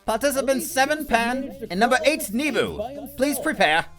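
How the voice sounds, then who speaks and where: A man voicing an excitable male tournament announcer, proclaiming each match and drawing out the names. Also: over music. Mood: excited, hyped. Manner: booming proclamations, drawn-out names. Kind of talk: ring announcing.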